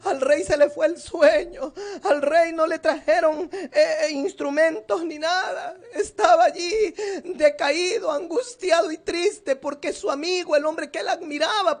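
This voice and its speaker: A woman's voice: sits high, gravelly. A woman evangelist preaching a sermon with emotion, often close to tears. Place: seated indoors.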